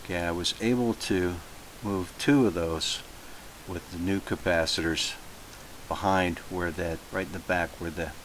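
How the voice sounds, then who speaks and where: A man with a deep, low voice narrates a homemade how-to in an informal way. His delivery is halting, as he poses questions to himself and works through them aloud. A faint hiss runs under the home recording. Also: poor audio. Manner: halting, thinking aloud with self-posed questions. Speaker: hobbyist narrating own repair video. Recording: hissy home recording, steady noise.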